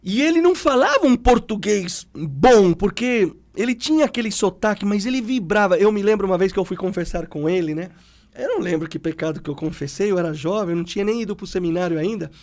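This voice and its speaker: Gravelly-voiced man telling animated stories. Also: sits high, fast. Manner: animated, acts out quoted people. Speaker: priest guest. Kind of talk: conversational storytelling.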